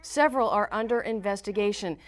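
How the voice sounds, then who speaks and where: A woman's voice: mid-range voice, brisk. A woman with an American accent reading scripted news in a formal, emphatic newsreader delivery. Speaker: news reporter and anchor.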